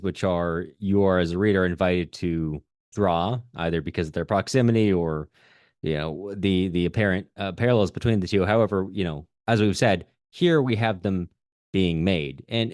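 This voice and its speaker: Male podcast host, low register, dry sound. Conversational book analysis, feeling his way through each thought. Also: darkish tone, dry recording. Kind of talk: conversational literary discussion.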